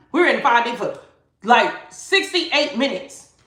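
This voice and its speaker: A woman speaks in a high, bright, sharp voice with an animated tone. Room echo is audible around her. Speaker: tarot reader. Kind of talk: live stream tarot reading. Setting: live stream. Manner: fast.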